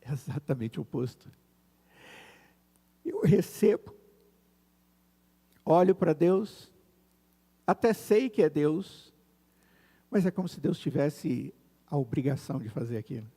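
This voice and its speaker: A man with a Brazilian Portuguese accent preaching a sermon in a church, earnest and slowing down to stress key words. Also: on the high side, big pitch swings, dark tone, husky, long reverb tail. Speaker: pastor. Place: church sanctuary.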